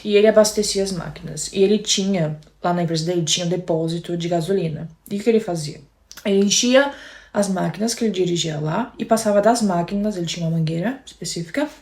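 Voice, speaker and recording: Brazilian woman, young, personal testimony, emotional and direct, gravelly fry. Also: fairly low pitch. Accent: Brazilian Portuguese. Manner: emotional, keeps addressing listeners directly. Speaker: guest telling her story. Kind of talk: personal storytelling to an audience.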